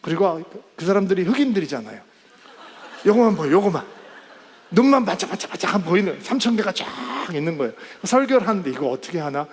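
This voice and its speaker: A male pastor telling a story in a sermon, animated and acting out the quoted voices. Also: sits high, fast talker. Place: church sanctuary. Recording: church hall with long reverb.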